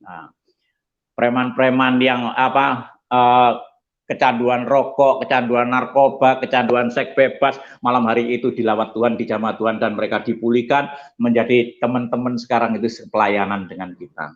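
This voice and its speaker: Pastor guy preaching testimonies, lively storytelling, bit dull lo-fi sound. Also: mid-range voice, moderate pace. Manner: animated storytelling, acts out quoted voices. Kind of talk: testimony sermon.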